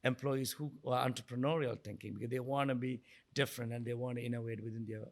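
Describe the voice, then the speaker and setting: Creaky-voiced middle-aged man, halting talker. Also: medium pitch, steady tone. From Sri Lanka. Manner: halting, repeats words and rephrases often. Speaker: guest, entrepreneur and investor. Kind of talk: conversational interview answers.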